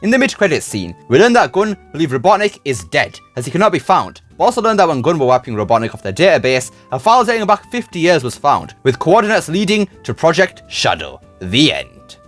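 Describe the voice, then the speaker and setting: Fast, animated man reviewing a film. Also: on the high side. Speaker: YouTube film reviewer and host. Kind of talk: scripted narration, movie review voice-over. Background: music.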